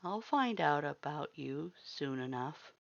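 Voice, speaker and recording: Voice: mid-range voice, gravelly, no echo, lo-fi sound, heavily acted. A narrator doing a terse, creepy little skeleton man. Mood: flat, unbothered. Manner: terse, flat, slow, unhurried. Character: laconic, creepy grinning little male skeleton monster.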